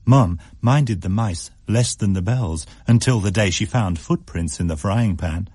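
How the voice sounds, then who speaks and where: A man reading a story aloud in a measured, wry narration. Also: on the low side, darkish tone, slightly rough, no echo, studio quality. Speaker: story reader.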